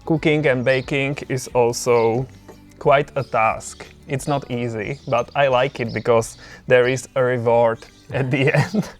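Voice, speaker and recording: A man's voice: medium pitch, fairly even intonation, unhurried, soft background music. A man hosting a home vlog, chatting easygoing about cooking and his garden outdoors, laughing often. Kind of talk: relaxed home vlog chat.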